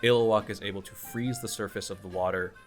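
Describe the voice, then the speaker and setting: Low-voiced man narrating a tabletop game. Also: fairly even intonation. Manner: halting, conversational, thinking aloud. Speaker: game master. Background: music.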